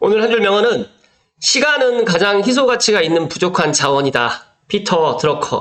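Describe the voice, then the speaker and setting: Very even in loudness, this man's voice sits high for a man and swings very widely in pitch. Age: 40s. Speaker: real estate YouTuber. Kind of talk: casual commentary monologue. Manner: fast; hesitant fillers.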